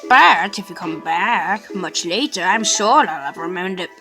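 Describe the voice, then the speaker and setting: A woman's voice: lowish voice, lively intonation, normal speed, over music. A woman voicing an easygoing, forgetful monster shopkeeper from a video game, rambling casually. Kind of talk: amateur video game character dub.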